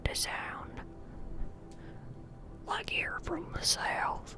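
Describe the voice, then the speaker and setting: A woman's voice: drawn-out words, over music. A woman from the United States whispering ASMR close to the mic in a playful, teasing way. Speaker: ASMR creator.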